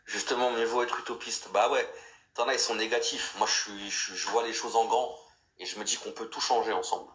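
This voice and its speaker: A man's voice: fairly low pitch, steady tone, brisk, fairly bright tone. A young man from France hosting a livestream, talking in a fired-up, rambling way with lots of restarts and fillers. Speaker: livestream host. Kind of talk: casual livestream chat.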